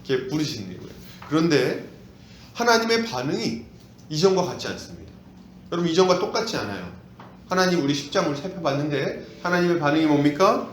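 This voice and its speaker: A man's voice: fairly high pitch, quick pace, slight background noise. A male pastor preaching an expository sermon and asking the congregation questions, in an echoey church hall. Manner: animated, asks the congregation questions.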